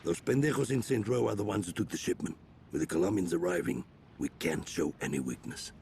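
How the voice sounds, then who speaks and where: An actor playing a commanding, hot-tempered Hispanic cartel boss in a video game, with a Spanish accent and Spanish mixed in. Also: male voice, sits low, fairly quick, vocal fry, darkish tone, a little hiss or hum. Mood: cold, commanding.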